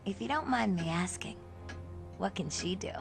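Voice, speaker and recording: A woman's voice: mid-range voice, lively intonation, moderate pace, creaky, over music. An actress voicing a shy young woman who is unsure about her own powers in a video game. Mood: hesitant. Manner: hesitant, polite. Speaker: game character.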